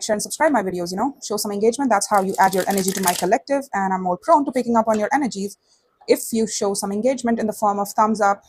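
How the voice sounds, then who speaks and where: A woman's voice: mid-range voice, a little hiss or hum. A woman with a lisp and slushy s sounds, giving a casual, conversational tarot reading to viewers and often checking in with short tag questions. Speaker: tarot reader.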